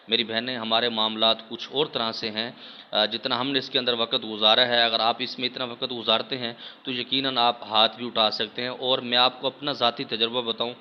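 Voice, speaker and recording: A man's voice: medium pitch, muffled recording, slight background noise. A man teaching viewers earnestly, a spiritual healer explaining how to treat a patient, speaking in an instructional religious talk. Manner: earnest, addresses listeners repeatedly as respected audience.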